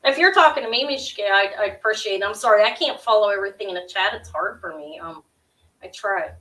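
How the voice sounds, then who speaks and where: A middle-aged woman with a sharp, high-pitched voice, hosting a live jewelry auction from her desk at home, chatty and scattered with lots of ums and quick restarts. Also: rough recording. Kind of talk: casual live-stream selling. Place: small home room with shelves of jewelry displays.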